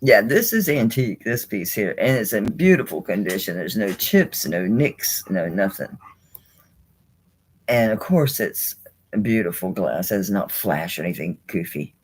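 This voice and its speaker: A chatty woman hosts a relaxed live jewelry auction, talking to herself as she handles each piece. She speaks slowly but with a lively, rising-and-falling pitch and frequent laughs. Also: breathy edge, poor audio. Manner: chatty, laughs often, talks to herself while handling items. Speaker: online jewelry seller. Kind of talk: casual live auction chat.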